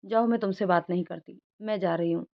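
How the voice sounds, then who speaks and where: A woman's voice: fairly low pitch, fairly quick, creaky. A woman reading the part of a young woman doctor who scolds her boyfriend fondly, in a storybook narration. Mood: scolding, fond. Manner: scolding, affectionate. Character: young woman doctor, fond but easily upset. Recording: dull lo-fi recording.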